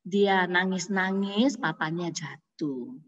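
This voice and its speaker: A Catholic nun from Pontianak, Indonesia, telling her vocation story in a casual, lively way. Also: on the low side, slow pace. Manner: lively, acts out others' voices in her stories. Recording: dull audio with long hall reverb.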